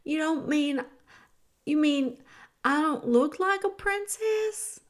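A woman's voice: high-pitched, lively intonation, slow pace, voice pushed up. A woman voicing a simple, needy, wounded little servant girl in a storybook, with plaintive, uneducated folksy speech. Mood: hurt, pleading.

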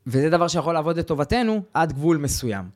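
A man's voice: fairly high pitch, lively intonation. A man, talking casually as a podcast host and interviewer.

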